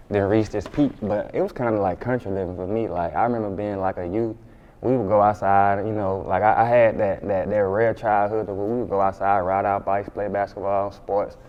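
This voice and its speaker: A man's voice: fairly low pitch, lo-fi sound. A man from Alabama with a Southern Black accent, chatting casually and informally as an interview guest, often saying "like" and circling back over his words. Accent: Southern Black American, Alabama. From Montgomery, Alabama, USA. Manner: informal, repetitive, says 'like' often.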